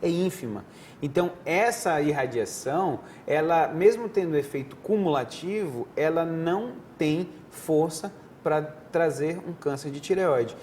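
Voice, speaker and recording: A man's voice: a little high, a little slow, darkish tone, slight background noise. A man who is a head and neck surgeon from Brazil. He answers interview questions in an explanatory, conversational way, often restarting his sentences. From Northeastern Brazil. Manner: didactic, conversational, frequent restarts. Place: TV studio desk.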